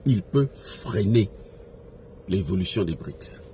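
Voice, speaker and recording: A man's voice: low voice, expressive, slow, mellow. A man from Africa gives impassioned off-the-cuff political commentary, emphatically repeating phrases and posing rhetorical questions to his followers. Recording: noisy recording with background ambience.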